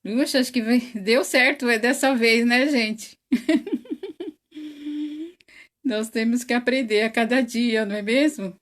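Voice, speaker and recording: A woman with a Brazilian Portuguese accent hosting an online study livestream, chatting casually, greeting viewers one by one by name and laughing often. She says her voice is very loud. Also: fairly high pitch, takes it slowly, pauses often. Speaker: host of an online spiritist study.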